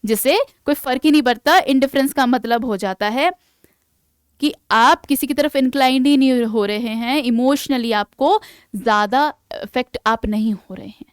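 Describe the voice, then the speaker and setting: Clear-voiced Indian woman teaching vocabulary. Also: high-pitched, no echo, studio quality. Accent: Indian English. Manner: explains in Hindi mixed with English, reads English definitions slowly; asks the class rhetorical questions. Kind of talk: online exam-prep lesson.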